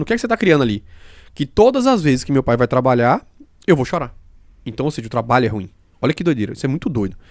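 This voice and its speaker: A man talks quickly and emphatically as a podcast host, building each point with everyday examples. His voice sits a little higher than most men's, and the sound is dry and close. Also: dry recording. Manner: fast-talking. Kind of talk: casual podcast conversation.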